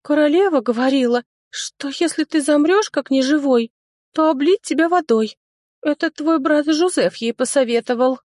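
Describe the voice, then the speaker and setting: A woman voicing a very young, timid female dryad who squeaks and whines in a storybook reading. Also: very animated, normal speed, a little mellow, breathy edge, no room sound, studio quality. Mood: sobbing. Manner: squeaky and lamenting, tearful.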